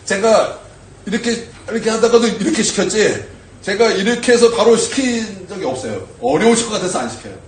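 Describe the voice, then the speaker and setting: A man preaching a sermon as pastor, animated and full of rhetorical questions to the congregation. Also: sits high, recorded from a distance, slight background noise. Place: church sanctuary. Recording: echoey church from afar.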